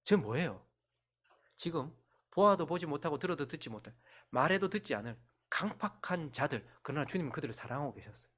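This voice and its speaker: A middle-aged male pastor preaching a sermon, swinging from loud calls to hushed near-whispers and acting out quoted voices as he tells stories. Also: a little high, lively intonation, quick pace. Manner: acts out quoted voices in conversational storytelling.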